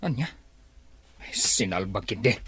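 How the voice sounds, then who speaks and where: A man's voice: on the low side, expressive, unhurried, fairly bright tone, breathy edge, full character voice. A man with a Filipino Ilocano accent acting an impatient, scheming office colleague in an audio drama.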